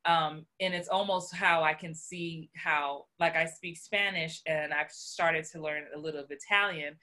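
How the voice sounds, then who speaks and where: A woman's voice: sits low, fairly even intonation, measured pace, pushed and bright. A woman podcast host chatting with her guest in an enthusiastic, appreciative way. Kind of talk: casual interview talk.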